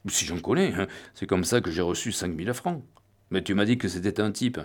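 A man's voice: low voice, fairly quick. A man reading an audiobook, voicing a drunk, evasive older man whose answers are hesitant and slurred.

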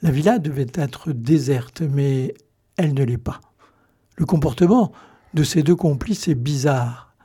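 A man presenting a calm scripted summary before a reading. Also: on the high side, a little slow, slightly rough. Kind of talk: scripted introduction.

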